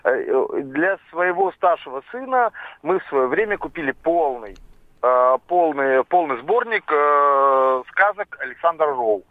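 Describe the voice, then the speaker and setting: A man's voice: a little high, expressive, unhurried, no room sound. A man in his thirties calling in by phone, rambling and hesitant with many fillers. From southern Russia. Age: 30s. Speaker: caller. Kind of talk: phone-in call. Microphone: telephone. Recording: tinny dry phone line.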